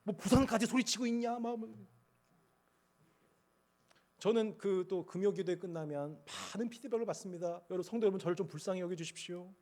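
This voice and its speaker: A pastor preaching a passionate sermon from the pulpit, moving between loud cries and quiet, confessional talk. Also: male voice, high voice, fast. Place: church sanctuary at the pulpit.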